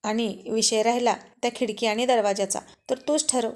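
A woman's voice: a little high, fairly even intonation, normal speed, darkish tone, close to an everyday voice. A woman voicing a headstrong, defiant young woman who argues and pleads in a told love story.

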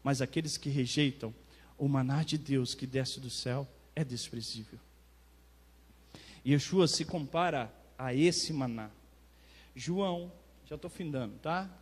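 A man's voice: medium pitch, unhurried, pauses often, slightly rough. A man with a Brazilian Portuguese accent, a pastor giving an emphatic sermon to his congregation in a church hall. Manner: emphatic preaching, swells loud on key phrases, talks directly to congregants. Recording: long reverb of a church hall.

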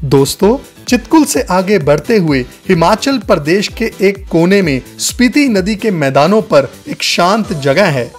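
A man's voice: high voice, lively intonation, a little slow, few pauses. A man narrating a travel guide as a scripted voice-over, speaking to viewers as friends. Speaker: travel vlogger. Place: voice-over, not recorded on location. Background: faint background music.

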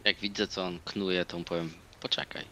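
A man's voice: sits low, level tone, moderate pace, bright, forceful tone, slight background noise, low-quality recording. A man in his thirties speaking casually and tersely as a player in a tabletop game.

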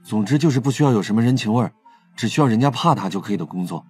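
An actor in a Chinese audio drama playing a candid, protective younger brother who confides hesitantly and earnestly. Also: male voice, medium pitch, lively intonation, racing, a little mellow, slightly rough, soft background music. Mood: earnest, subdued.

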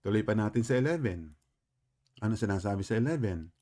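A man's voice: lowish voice, lively intonation, a little fast, warm tone. A man explains Bible verses to listeners in a polite, questioning way, often checking that they follow. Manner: polite, with frequent respectful particles. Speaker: Bible teacher.

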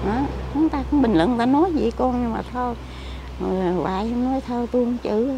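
A woman's voice: on the high side, fast talker, warm tone, muffled recording, slight background noise. An older woman, frail, chatting in a rambling, repetitive way as she is interviewed outdoors. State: frail, weak. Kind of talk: casual chat. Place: outdoors near a cemetery.

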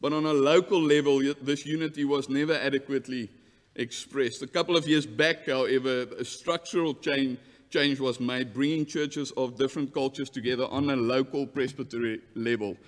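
An earnest man with an Afrikaans accent speaks at a lectern in a large church hall. His voice sits at an ordinary middle pitch and rings with long reverb. He talks formally but stumbles and restarts words now and then. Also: steady tone, moderate pace. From South Africa. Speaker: church delegate. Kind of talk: formal address to an assembly. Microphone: lectern mic.

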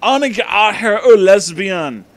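A man's voice: high voice, animated, unhurried, no room sound, voice pushed up. A man voicing a snooty, bossy teenage cheerleader in a comic story reading.

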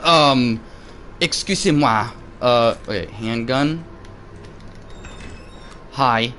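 A man giving let's play commentary, excitable and rambling, swearing and yelling at enemies between many fillers. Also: mid-range voice, very slow, a little hiss or hum. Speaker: gaming video host.

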